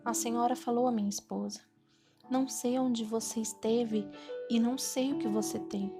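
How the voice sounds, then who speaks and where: A woman with a Brazilian Portuguese accent reading a Christian devotional audiobook in an earnest, steady way. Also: fairly high pitch, moderate pace. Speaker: audiobook narrator. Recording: reading over clear background music. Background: music.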